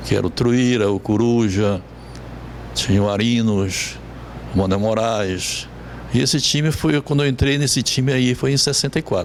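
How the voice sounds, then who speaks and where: Over noticeable background noise, a man talks at a moderate pace with long, frequent pauses, very even loudness and ordinary pitch variation. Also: medium pitch for a man. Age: 60s. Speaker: retired footballer. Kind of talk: interview. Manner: halting, repeats words.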